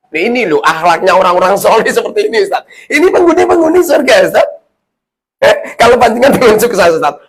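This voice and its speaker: Animated high-voiced man preaching a story. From Indonesia. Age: 40s. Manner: animated, jokey storytelling with sudden loud and hushed turns; addresses the audience often with tag questions. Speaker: Islamic preacher. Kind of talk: storytelling religious lecture.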